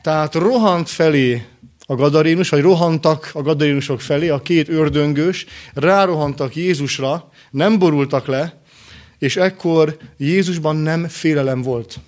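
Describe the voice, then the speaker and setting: A man preaching a sermon in short, earnest phrases with rhetorical questions and pauses. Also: a little high, darkish tone.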